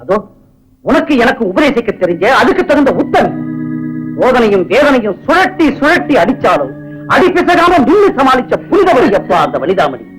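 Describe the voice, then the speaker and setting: A man's voice: very high voice, sing-song, moderate pace, rough recording. A raging, then remorseful man. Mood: bitter reproach. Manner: shouting then grave, reproachful speech. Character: remorseful hot-tempered man, self-accusing. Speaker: repentant villain in a film. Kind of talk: 1980s film acting. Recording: film soundtrack with music behind.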